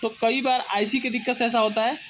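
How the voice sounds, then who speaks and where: A man from India with a high voice talks through a hands-on phone repair, step by step. He keeps telling the viewer to look closely at each point. Faint room noise sits under the recording. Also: steady tone, brisk, a bit bright. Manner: explains step by step, often says "look here carefully". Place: repair workbench with a microscope.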